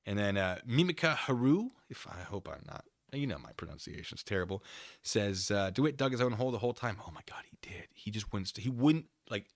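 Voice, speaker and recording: A man's voice: fairly low pitch, animated, brisk, gravelly, no echo, studio quality. A man hosting a livestream, giving casual, rambling commentary with playful, self-deprecating asides and chat with his viewers.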